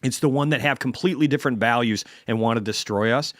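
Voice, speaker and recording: A man's voice: medium pitch, fast, fairly bright tone, no echo, studio quality. A man hosting a market commentary stream, ranting bluntly and swearing heavily.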